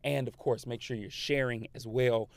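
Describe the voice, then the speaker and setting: A man with an African American accent hosting a motivational podcast in an animated, slangy manner that shifts between registers. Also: medium pitch, normal speed, no echo. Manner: animated, slangy, code-switching. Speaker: podcast host.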